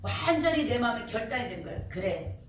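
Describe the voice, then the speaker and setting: Woman pastor preaching a heartfelt testimony, high voice, kinda far off in a roomy church. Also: brisk. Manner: emotional, animated storytelling, often rising loud. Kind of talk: emotional testimony sermon. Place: church service. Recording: echoey church from afar, faint noise.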